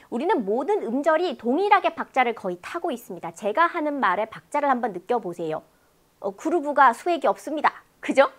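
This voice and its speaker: A woman teaching an exam-prep listening lecture, animated and demonstrative, exaggerating sounds for her students. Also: sits high.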